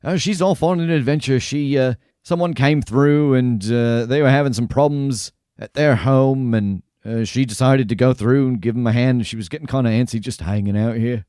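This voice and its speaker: Tavern keeper, fantasy tabletop game, played by a man: friendly, folksy, hearty, mid-pitched, dry sound. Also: normal speed, hardly any pauses, mellow, smooth, dry recording, natural voice. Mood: easygoing, reminiscing. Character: friendly, easygoing tavern keeper of a magical pub. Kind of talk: in-character tabletop role-play.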